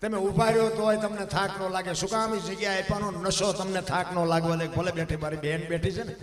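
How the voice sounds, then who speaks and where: High-voiced storyteller on stage. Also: male voice, flat delivery, fairly quick, distant mic, crowd noise. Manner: emphatic, swells to loud declamation. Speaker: dayro storyteller. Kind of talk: devotional folk storytelling on stage. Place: live stage program. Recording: echoey hall with long reverb.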